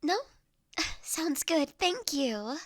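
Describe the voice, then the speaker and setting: High-voiced, unhurried noblewoman, acted by a woman. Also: lively intonation, no room sound, clean studio sound, full character voice. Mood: polite, businesslike. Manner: formal, genteel phrasing, measured with soft trailing endings. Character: refined young noblewoman, mine overseer, poised, authoritative yet kindly. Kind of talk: scripted audio roleplay addressed to listener.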